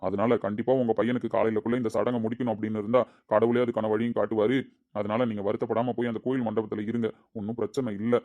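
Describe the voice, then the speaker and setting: A man voicing a calm male temple astrologer who reassures a worried family in an amateur audio drama. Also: lowish voice, fast talker, narrow, tinny audio, close to an everyday voice. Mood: reassuring. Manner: soothing, reassuring.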